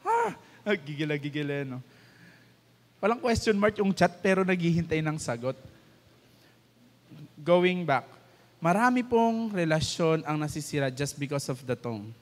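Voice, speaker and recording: A man's voice: on the high side, big pitch swings, measured pace, pauses often. A man with a Filipino accent giving a conversational church teaching, mixing English into his talk and acting out quoted lines. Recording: church hall with long reverb.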